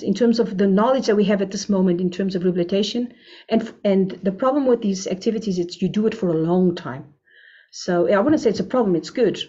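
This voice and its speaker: A woman's voice: mid-range voice, warm tone, breathy edge. Woman, middle-aged, Portuguese accent, informal explanatory webinar presenter. Dull lo-fi recording. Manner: often checks in with "right?". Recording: dull, lo-fi web call audio.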